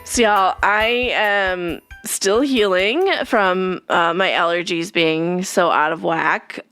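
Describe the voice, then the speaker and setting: A young woman hosts her podcast in a rambling, friendly chat full of "like"s and asides. Her voice is smooth and clear but a touch stuffy from allergies. The recording is close and dry, with no room sound. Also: lowish voice, takes it slowly, a bit bright, no echo, soft background music. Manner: rambling, filler-heavy, friendly. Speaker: podcast host. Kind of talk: casual chatty podcast talk.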